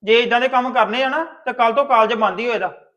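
An actor playing a stern elder brother who scolds his sister loudly. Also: extremely high pitch, fairly quick, echoey room, highs cut off. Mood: angry scolding. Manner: scolding, interrogating, loud. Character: stern angry elder brother, young adult man.

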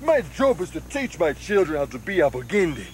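An actor playing a proud tribal hunter who refuses to give in, speaking in a firm, dignified way over a loud score. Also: male voice, on the high side, sing-song, a little fast, a little hiss or hum. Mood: defiant. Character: defiant tribal hunter man, proud, unyielding. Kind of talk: screen acting scene. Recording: loud film score underneath.

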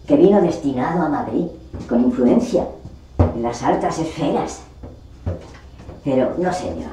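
A very echoey, distant recording of a stage monologue. A woman plays a forgotten literary character, indignant and sorry for herself, who laments slowly and melodramatically with dramatic pauses. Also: low-pitched, dark tone. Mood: scornful, confiding. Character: forgotten, discarded literary character, bitter, self-pitying and indignant. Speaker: actor rehearsing a monologue. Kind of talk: theatrical monologue. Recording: distant mic, echoey room, faint noise.

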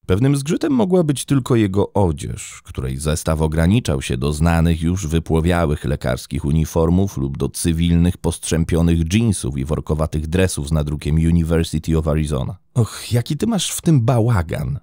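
A man with a very low, dark voice narrates a scripted true-crime story. His delivery is dramatic, with wide pitch swings. He is close on a studio mic, and the room sound is dry. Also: animated, normal speed, few pauses, no echo.

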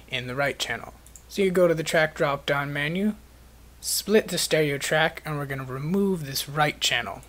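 Man, somewhat high voice, tutorial presenter, instructional screencast narration. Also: fairly bright tone.

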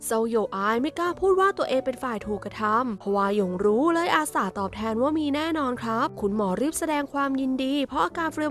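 A woman telling a series recap in a chatty, playful way, as casual spoiler narration. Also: sits high.

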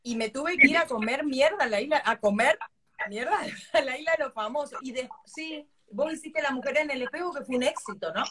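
A woman's voice: high voice, a crowd in the background. A woman in her forties with an Argentine accent, hosting a casual live chat from home in a teasing, laughing way. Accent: Argentine Spanish. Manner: animated, teasing, quick to laugh. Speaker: host. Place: indoor room at home. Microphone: phone front camera.

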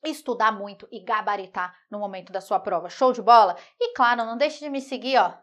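A young woman with a fairly high voice gives an online writing lesson. She talks straight to her students in a lively, teasing way and keeps checking that they follow. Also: brisk. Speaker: Portuguese writing teacher.

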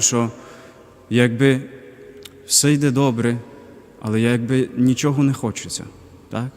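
A young man, a deacon, giving a reflective personal faith testimony in a halting way, pausing often. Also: medium pitch, big-room sound. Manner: reflective, halting, with pauses and fillers. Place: cathedral parish.

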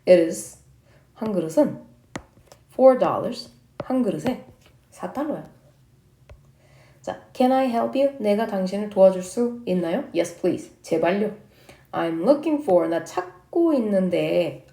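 Woman teaching English, lively voice. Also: mid-range voice, echoey room, slight background noise. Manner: reads English lines slowly, explains each in Korean. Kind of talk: English lesson, reading and translating dialogues.

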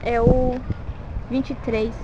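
A young woman vlogging in casual chat, talking softly into a camera held at arm's length in a windy city park. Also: fairly high pitch, level tone, takes it slowly. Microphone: handheld action camera at arm's length. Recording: muffled camera audio with wind noise.

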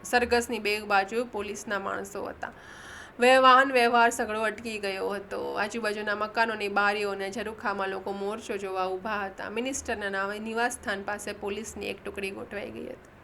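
A woman reads a novel chapter aloud in a bright, forceful voice, giving the characters' shouts extra punch and stopping now and then to correct a slip. A faint hiss sits under the reading. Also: mid-range voice, flat delivery, moderate pace, creaky. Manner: reads dialogue with raised emphasis, corrects own slips. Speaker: audiobook narrator. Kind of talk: audiobook reading.

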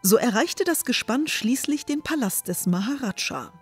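A woman's voice: on the high side, lively intonation, normal speed, husky. A woman reading scripted fairy-tale narration for an audio drama, addressing her listeners as a storyteller. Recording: music under the voice. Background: music.

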